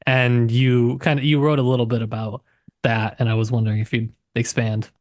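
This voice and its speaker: A man with a mid-pitched voice co-hosts a book discussion podcast. He speaks casually, qualifying his points and thinking aloud as he goes. The sound is dry, with very little room in it. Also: little pitch movement, a little fast, darkish tone, dry recording. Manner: informal, hedging, thinking aloud. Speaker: podcast co-host.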